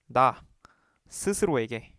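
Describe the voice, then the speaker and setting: A man coaching viewers on exam study in a lively video lesson, acting out talking to himself as he explains. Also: medium pitch, takes it slowly, no room sound, studio quality. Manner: animated, talks to himself to demonstrate.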